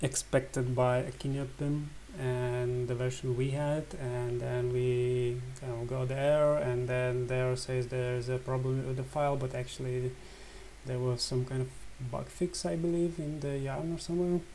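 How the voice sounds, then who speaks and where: Against noticeable background noise, a man of medium pitch talks at a moderate pace with fairly even intonation. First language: not English. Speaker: software developer. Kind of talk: screencast tutorial. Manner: casual, hesitant, many fillers.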